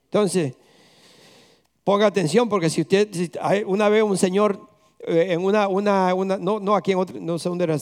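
A man's voice: high voice, fairly even intonation, normal speed. A man preaching a conversational sermon as pastor, firing rhetorical questions at the congregation and slipping English words into his talk.

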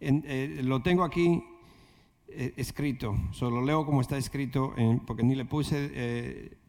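A man's voice: mid-range voice, measured pace, darkish tone. Preaching man, echo of a big hall. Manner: earnest preaching, repeats phrases, many fillers. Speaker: pastor. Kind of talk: sermon and prayer. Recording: long hall reverb.

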